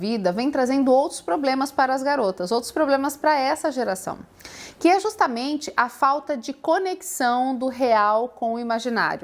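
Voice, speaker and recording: At a moderate pace, a woman speaks in a high pitch over noticeable background noise. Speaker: YouTuber. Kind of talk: casual vlog talk to camera.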